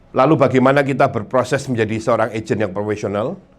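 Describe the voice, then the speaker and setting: In a Surabaya accent, a man speaks at a medium pitch and a moderate pace. His tone is animated, with ordinary pitch variation. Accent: East Javanese Indonesian (Surabaya). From Indonesia, Surabaya (East Java). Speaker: motivational speaker. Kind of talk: motivational talk.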